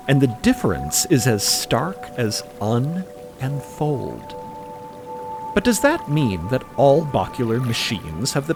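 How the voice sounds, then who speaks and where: A man narrating scripted fiction in a musing way, with deliberate, pausing phrases. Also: mid-range voice.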